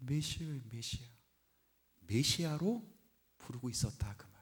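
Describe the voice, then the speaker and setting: The voice belongs to a man. It sits fairly high in pitch. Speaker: pastor giving a sermon. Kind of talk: church sermon (expository preaching).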